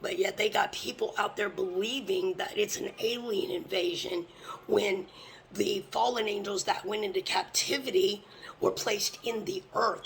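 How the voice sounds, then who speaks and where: Gravel-voiced scripture preacher, mid-pitched, blunt and fervent, slips into whispers; faint hiss underneath. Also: poor audio. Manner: intense, often drops to a hushed whisper; blunt, with occasional swearing. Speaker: religious teacher.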